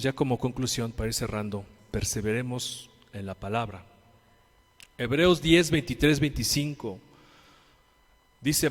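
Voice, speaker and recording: Mexican man preaching in a reverberant hall. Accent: Mexican Spanish. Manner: preaching with rhetorical questions and call-and-response; swings between loud emphatic lines and quiet low ones. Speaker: pastor. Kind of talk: sermon.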